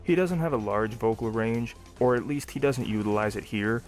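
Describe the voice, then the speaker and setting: A man's voice: on the low side, normal speed, darkish tone, faint music behind. A young adult man narrating a scripted cartoon review.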